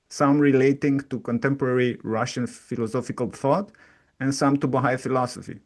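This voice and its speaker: A man conducting a formal academic interview, speaking in measured, scholarly phrasing as he puts prepared questions to a guest. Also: medium pitch.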